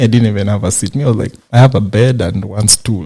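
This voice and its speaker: A soft-spoken man with a dark, mellow tone, somewhat breathy, with ordinary pitch variation. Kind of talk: podcast interview, personal storytelling. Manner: witty.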